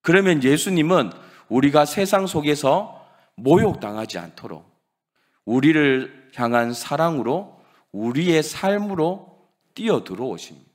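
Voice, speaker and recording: A male pastor preaching a sermon, dramatic and swinging from loud emphasis to hushed words. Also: fairly high pitch, very animated, unhurried.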